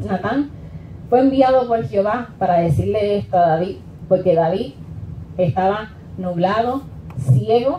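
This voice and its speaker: Over light background noise and audible room echo, a woman's voice makes very wide pitch swings. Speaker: preacher. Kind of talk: sermon. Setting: church. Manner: animated, fervent preaching in full flow. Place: church. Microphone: camera far.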